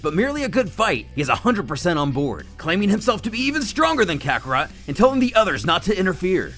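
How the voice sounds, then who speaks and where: A man tells a story as a scripted recap over faint music. His voice sits a bit high and swings lively up and down. He plays up the drama and slips in dry, joking asides. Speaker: narrator of a fan manga recap video.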